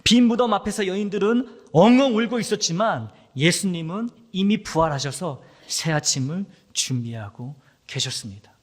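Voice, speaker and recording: A man preaching as pastor in a church sanctuary, his voice pitched a little high and trailing a long hall echo. He has a husky edge. He swings between animated acted-out lines and hushed, whispered asides. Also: normal speed, hardly any pauses. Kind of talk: sermon.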